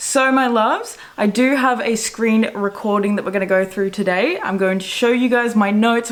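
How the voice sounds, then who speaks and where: With an Australian accent, a woman talks at a fairly quick pace in a fairly high voice with ordinary pitch variation, over noticeable background noise. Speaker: astrologer and tarot reader. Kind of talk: astrology reading to camera. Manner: casual, warm; halting, jumbles words.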